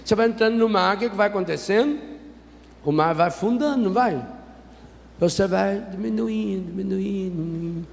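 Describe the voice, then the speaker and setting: A Brazilian Catholic priest preaching a sermon, telling a story with humor and asking the congregation questions. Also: male voice, high-pitched, brisk, vocal fry. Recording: reverberant hall with faint noise.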